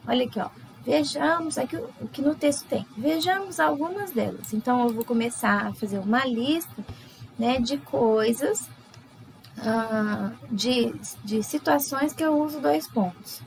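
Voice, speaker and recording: A woman teacher with a Brazilian Portuguese accent giving a recorded lesson, explaining slowly with many fillers. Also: sits high, creaky, slight background noise, low-quality recording.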